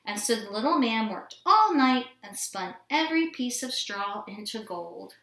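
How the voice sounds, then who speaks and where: Female children's storyteller, fairly high voice, expressive read-aloud, recorded in an echoey room. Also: measured pace. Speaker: storybook reader. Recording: roomy indoor echo.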